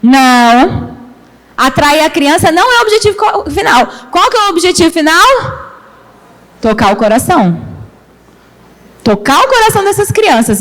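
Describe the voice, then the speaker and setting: A woman pastor from Rio de Janeiro giving a lively training talk to children's ministry teachers in a church hall, acting out little scenes. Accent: Brazilian Portuguese, Rio de Janeiro. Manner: lively, animated, acts out child-teacher dialogue in a high sing-song voice.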